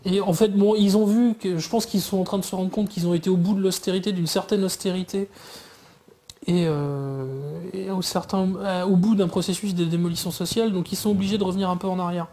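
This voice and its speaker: A man talking through politics in a casual discussion, pausing often with fillers and restarts. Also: high-pitched, fairly even intonation, mellow. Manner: hesitant, many fillers and restarts. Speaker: guest commentator.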